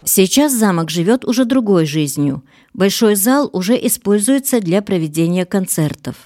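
A woman's voice: mid-range voice, lively intonation, moderate pace, mellow. A woman radio reporter reading scripted feature narration.

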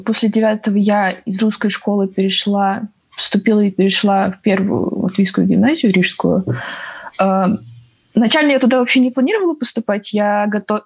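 A teenage girl tells her story in a relaxed, casual way. Her voice has a breathy edge. She leans on many fillers. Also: medium pitch, rough recording. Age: teens. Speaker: guest, high school student. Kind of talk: casual talk.

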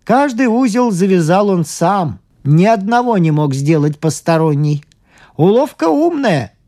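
A woman's voice: medium pitch, pitched above the performer's own voice. Woman doing a haughty lecturing scientist. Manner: calm, lecturing, measured. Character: haughty, self-assured male scientist.

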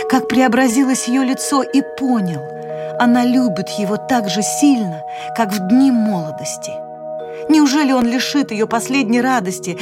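An actress narrating a fairy tale for radio in an expressive, measured storytelling voice. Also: female voice, fairly high pitch. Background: music.

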